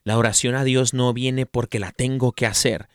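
A man's voice: mid-range voice, steady tone, moderate pace, smooth, dry recording, studio quality. A man co-hosting a casual faith talk, speaking in an earnest, thoughtful way and adding short affirmations. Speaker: Christian talk co-host.

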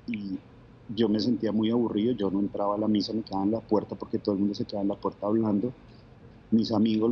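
A man's voice: on the low side, highs cut off, slight background noise. A man from Bogotá with a Colombian accent, a guest telling his faith story in an interview, reflective and full of fillers. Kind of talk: testimony interview.

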